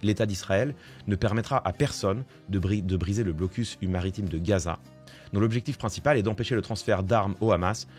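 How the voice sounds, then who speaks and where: A man's voice: lowish voice, brisk, darkish tone, faint music behind. A man commenting live on the news, reading reports aloud and then adding indignant remarks with many fillers. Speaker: political commentator.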